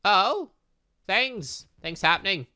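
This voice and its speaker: A man's voice: sits high, very animated, takes it slowly, pushed and bright, clear, resonant tone, faint music behind. A man chatting his way through a visual novel, thinking aloud and reading game text with playful little sound effects. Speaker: gaming YouTuber.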